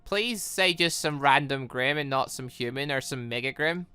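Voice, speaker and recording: A man giving casual, rambling and excitable commentary while playing a visual novel. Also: mid-range voice, moderate pace, clean tone, faint music behind. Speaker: gaming video host reading a visual novel aloud. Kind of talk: casual playthrough commentary with dialogue read aloud.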